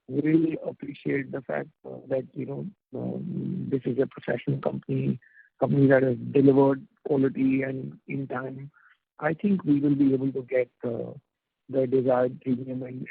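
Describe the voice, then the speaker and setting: A man with an Indian accent answers investor questions as a company executive, in informal, halting phrasing. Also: medium pitch, creaky, breathy edge. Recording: tinny, dry phone line.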